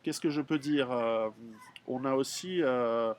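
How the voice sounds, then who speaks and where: A man's voice: mid-range voice, takes it slowly. A middle-aged man, an author talking through his readers' questions in a frank, blunt way, with many halts and restarts. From Switzerland. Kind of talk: casual spoken monologue.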